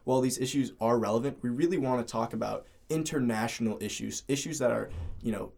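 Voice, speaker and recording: A man's voice: medium pitch, quick pace, gravelly, darkish tone. A young man from Ohio, a student co-hosting a podcast, talking in an earnest casual way with some restarts. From Cleveland, Ohio. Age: young adult. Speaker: podcast co-host.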